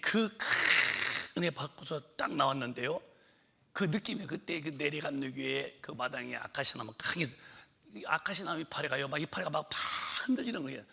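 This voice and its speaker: A middle-aged man preaching a sermon as pastor, telling childhood stories, acting out shouted quotes and dropping to whispers. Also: fairly high pitch, normal speed, creaky, breathy edge. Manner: storytelling, acts out shouting mother, drops to whispers.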